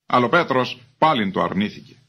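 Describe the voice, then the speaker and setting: A man giving a measured, formal reading of scripture as a Bible reader. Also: mid-range voice, expressive, vocal fry, sharp tone, a little hiss or hum.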